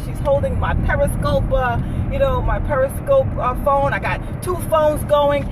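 A woman talks at a moderate pace, her voice dry with no echo against loud background noise. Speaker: business coach. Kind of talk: motivational talk. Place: car. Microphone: phone near.

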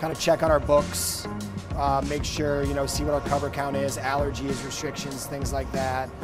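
A man talks at a fairly quick pace while clear music plays in the background. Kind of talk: interview answer. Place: kitchen.

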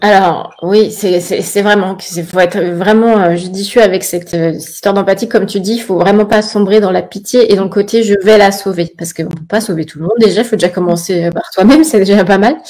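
A woman speaks at a fairly quick pace with hardly any pauses. Her intonation stays fairly even. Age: 40s. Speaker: Bach flower therapist; live stream co-host. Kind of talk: live stream conversation. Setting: live video stream. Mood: calm, reflective. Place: home room. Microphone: webcam.

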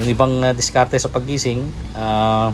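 A man speaks at a moderate pace with fairly even intonation, accompanied by noticeable background noise and audible room echo. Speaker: solar DIY video creator. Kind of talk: tutorial.

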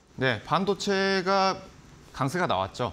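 Against light background noise, a man talks with very wide pitch swings. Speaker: stock market analyst. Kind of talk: market commentary. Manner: formal. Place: studio. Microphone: lapel.

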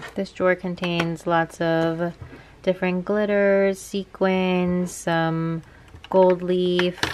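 Very slow, monotone, flat speech from a woman over noticeable background noise. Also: fairly low pitch for a woman. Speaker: video creator vlogger. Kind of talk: casual vlog chat.

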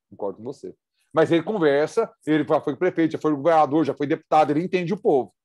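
With a dark, mellow tone, a man talks at a very fast pace. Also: quiet background. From Brazil. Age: 40s. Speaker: political commentator. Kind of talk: casual chat. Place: home room. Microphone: studio mic.

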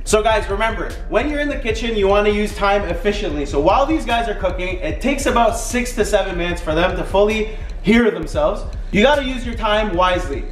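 A man speaks at a very fast pace with audible room echo. Faint music plays in the background. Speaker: cooking vlogger. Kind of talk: casual cooking tutorial. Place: kitchen. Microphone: phone near.

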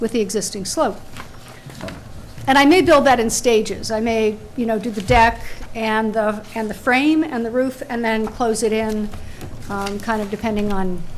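A woman's fairly high voice at a moderate pace with ordinary pitch variation and long, frequent pauses, amid audible room echo and noticeable background noise. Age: 70s. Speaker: homeowner applying for a zoning variance. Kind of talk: presentation at a public zoning board hearing. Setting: town zoning board meeting. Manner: conversational with frequent fillers and restarts.

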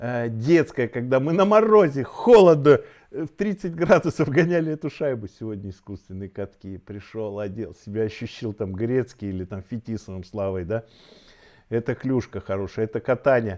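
The speaker uses lively intonation and big swings in loudness at a moderate pace against a quiet background. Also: man. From Siberia (Novosibirsk). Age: 60s. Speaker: numerologist; interviewee, numerology teacher. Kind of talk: interview. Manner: conversational, hesitant with fillers. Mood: warm, nostalgic. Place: home room.

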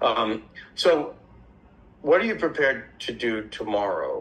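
A man with an American accent. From United States. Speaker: film director and environmental activist. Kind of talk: interviewer questions. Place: home room. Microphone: video call.

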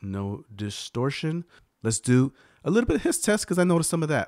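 A man is heard in a dry sound with no echo, against a quiet background. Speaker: tech reviewer. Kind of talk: product review commentary. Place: home room. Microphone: studio mic.

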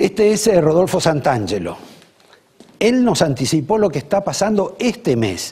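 With a Rioplatense accent, a man speaks at a high pitch and a fairly slow pace. His pitch swings are very wide. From Argentina. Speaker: TV news-politics host. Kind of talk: interview show opening and moderating political talk. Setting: studio. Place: studio. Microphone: lapel.

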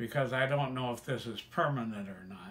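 Here a man is speaking. His tone is bright and sharp. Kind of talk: casual vlog announcement. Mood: subdued, reflective. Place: home room. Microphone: phone near.

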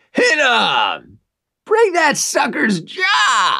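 Someone bellows in a high-pitched, put-on character voice. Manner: bellowing.

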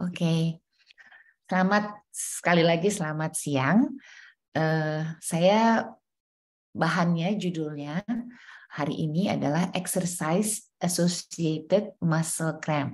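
A woman speaks at a very slow pace with fairly even intonation and long, frequent pauses. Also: fairly low pitch for a woman, quiet background. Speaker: sports medicine doctor. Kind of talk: webinar lecture. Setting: video call. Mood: friendly, smiling. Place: home room. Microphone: video call.

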